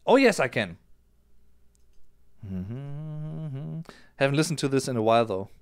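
A German man in his thirties talks through lyrics in an animated, casual way, his pitch rising and falling widely. His voice is smooth and clear. It is recorded dry and close on a headset in a small room. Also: a little slow, no echo. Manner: animated, gesturing with his hands. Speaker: music reaction streamer. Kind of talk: casual explanatory chat.

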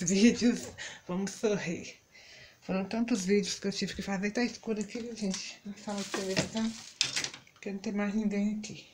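A middle-aged Brazilian woman talks chattily to the viewers of her home vlog, filmed on a handheld phone in her kitchen. Her voice sits at an ordinary middle pitch. Loud clattering of dishes and pans runs under her speech. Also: heavy background noise. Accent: Brazilian Portuguese. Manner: chatty, addresses viewers as "gente". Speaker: vlogger. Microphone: handheld phone camera.

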